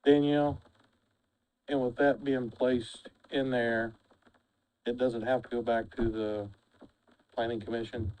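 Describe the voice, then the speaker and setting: A man serving as a county commissioner, speaking bluntly and loudly in a public meeting. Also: mid-range voice, level tone, a little slow, long pauses, smooth, rough recording. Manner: loud and blunt, says he has a loud voice. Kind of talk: formal meeting discussion.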